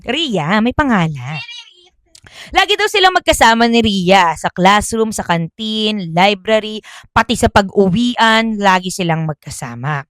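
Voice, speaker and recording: A woman's voice: medium pitch, animated, a little slow, a bit bright, no echo. A woman telling a school ghost story in a casual, chatty way. She often stops to correct herself. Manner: chatty, self-correcting, Taglish.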